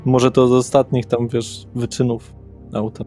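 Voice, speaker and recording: A man runs a tabletop game as its narrator, in a voice of ordinary pitch. His delivery is casual and conversational, describing things as they come. Music plays in the background. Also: level tone, unhurried, mellow. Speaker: game master. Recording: music under the voice.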